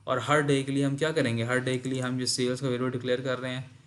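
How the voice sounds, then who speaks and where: A man walks through a programming lesson at an ordinary, mid-range pitch. He reads English lines from the textbook aloud, then explains them again in his own words. He repeats key points as he goes. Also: little pitch movement, quick pace. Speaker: teacher.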